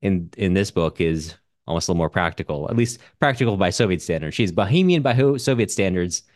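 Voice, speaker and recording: Deep voiced guy chatting books on a podcast, kinda halting, fixes his words as he goes, dry sound. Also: animated, a little mellow, no echo. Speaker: podcast co-host. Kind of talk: casual literary discussion.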